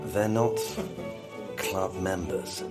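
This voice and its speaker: An actor playing a deferential, halting butler with formal manners in an audio drama. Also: male voice, deep voice, fairly even intonation, music in the background. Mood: hesitant, apologetic. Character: hesitant, deferential butler at a gentlemen's club.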